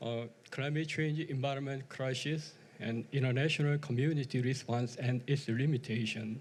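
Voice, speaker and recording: A man speaks at a moderate pace and medium pitch, somewhat breathy, with fairly even intonation. Audible room echo surrounds his voice. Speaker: session chair, professor. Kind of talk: conference moderating.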